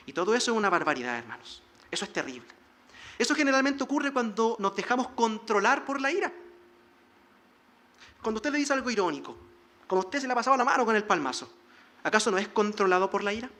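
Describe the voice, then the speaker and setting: A man's voice: high voice, sharp tone. A male pastor preaching a sermon in an earnest, exhorting way, now and then acting out short quoted exchanges. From Chile.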